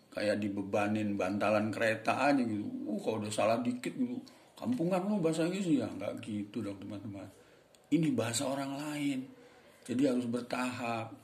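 A man's voice: on the low side, darkish tone, reverberant. A man teaching English in a casual, chatty way, addressing viewers as friends and sometimes mimicking other voices for examples. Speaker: English tutor. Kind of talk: casual spoken lesson.

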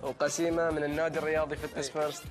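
Fast-talking young Qatari man hosting a quiz. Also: on the high side, little pitch movement. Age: young adult. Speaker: TV quiz host. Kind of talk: street and studio quiz presenting. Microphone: handheld microphone. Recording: music behind the voice.

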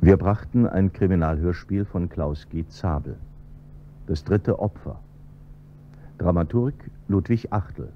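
A man's voice: deep voice, unhurried. A man announcing the closing credits of a radio play in a plain, formal way. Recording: dull old radio recording with faint hum.

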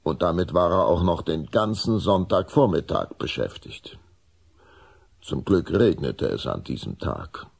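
A man's voice: sits low, animated, unhurried, vocal fry, a little mellow, husky. A man narrating a scripted children's story for a radio play.

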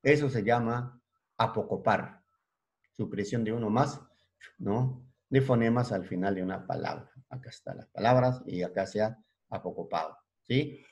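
A man teaching a secondary school language class, explaining slowly, restarting words and checking understanding with frequent short questions. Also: fairly low pitch, darkish tone. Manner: spells out word forms slowly, restarts words. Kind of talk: classroom lecture.

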